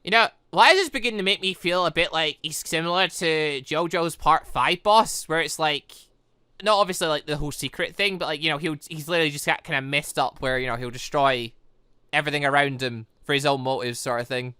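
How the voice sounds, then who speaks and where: A man's voice: a little high, a little fast, bright, forceful tone, smooth, no echo, studio quality. A man giving casual, rambling let's play commentary on a game, swearing now and then. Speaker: gaming video host.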